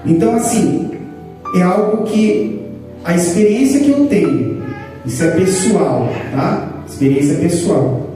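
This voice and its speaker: A Brazilian man with a high, dark and mellow voice teaches scripture to his church, explaining each point and lifting his pitch to stress it. He sounds echoey and distant, as if caught by a microphone across a large hall. Soft music hums faintly underneath. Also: a little slow. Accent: Brazilian Portuguese. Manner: explanatory, rises in pitch to stress points, addresses congregation as brothers. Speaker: pastor teaching a church class. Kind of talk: teaching sermon.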